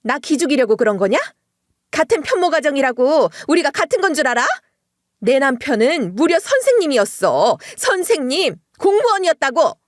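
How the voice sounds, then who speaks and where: A woman's voice: high-pitched, big pitch swings, moderate pace, dry recording, studio quality, voice pushed up. A woman voicing a bitter older mother-in-law who screeches and scolds. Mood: furious.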